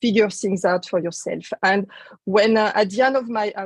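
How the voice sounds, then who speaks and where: A woman at medium pitch speaks with fairly even intonation, recorded dry and close with no echo. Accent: French. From France. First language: French. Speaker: researcher development consultant. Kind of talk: panel presentation. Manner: halting.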